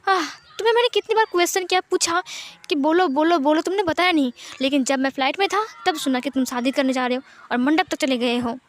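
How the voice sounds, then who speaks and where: A woman voicing a defensive young man who haltingly explains himself to his parents in a fan story reading. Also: sits high, lightly acted. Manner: hesitant, explaining.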